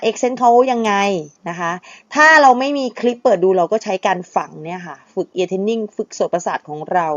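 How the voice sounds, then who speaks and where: A woman's voice: mid-range voice, expressive, moderate pace, dry recording, dull audio. A woman singing teacher who gives a patient, polite lesson and sings short phrases to show how English words are pronounced. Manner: demonstrates English pronunciation by singing and spelling out words; patient, polite, with frequent na kha and kha.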